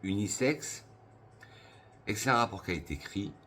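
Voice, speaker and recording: Deep-voiced Frenchman reviewing perfumes. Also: animated, fairly bright tone, slight background noise. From France. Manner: enthusiastic, savoring, lists notes slowly with pauses. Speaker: perfume youtuber.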